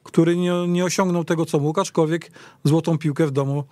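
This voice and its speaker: A man with a somewhat high voice talks casually as a football pundit. He is in a podcast discussion, recorded dry in a studio. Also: steady tone, a little fast, a little mellow, dry recording. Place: radio studio.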